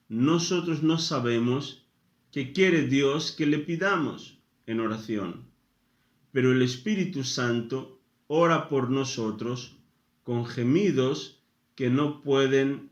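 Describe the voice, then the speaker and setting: A man preaching a sermon, speaking in short phrases with frequent pauses. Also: mid-range voice, roomy sound, highs cut off. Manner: slow, deliberate, pausing after short phrases. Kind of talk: sermon teaching.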